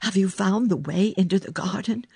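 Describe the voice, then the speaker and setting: A woman's voice: mid-range voice, normal speed, gravelly, mellow, husky, dry recording, pitched above the performer's own voice. A woman voicing a spoiled, sickly young boy in a storybook, whining and fearful with dramatic flair. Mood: subdued, hopeful.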